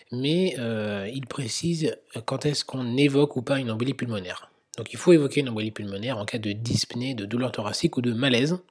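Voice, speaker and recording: Husky-voiced man explaining medical guidelines. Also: mid-range voice. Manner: explanatory, frequent hesitations, occasional whispered asides. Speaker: medical lecturer. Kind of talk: slide lecture on medical guidelines.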